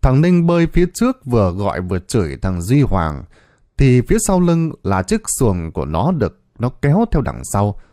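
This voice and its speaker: A man narrating a scripted horror story in a dramatic, expressive way. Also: medium pitch, normal speed, dry recording, studio quality.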